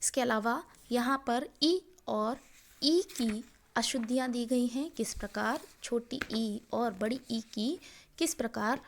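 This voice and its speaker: A woman teacher giving a grammar lesson, asking each point back as a question and then answering it, stressing key words. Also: fairly high pitch. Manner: slow and deliberate, stressing words. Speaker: school teacher.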